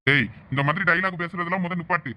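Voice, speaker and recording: A man playing a calm, caring friend who coaxes and reassures in a village drama. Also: sits high, quick pace. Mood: reassuring. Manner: coaxing, reassuring.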